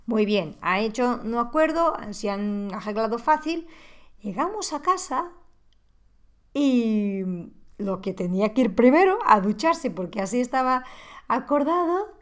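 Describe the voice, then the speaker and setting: A woman's voice: on the high side, sing-song, measured pace. A woman talking through a reflective monologue on parenting, asking the listener rhetorical questions. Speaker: parenting podcast host.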